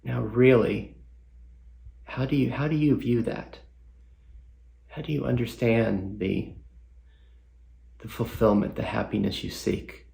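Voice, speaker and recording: A man leading a guided meditation as a guest teacher, speaking gently with long pauses and reflective questions. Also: mid-range voice, vocal fry.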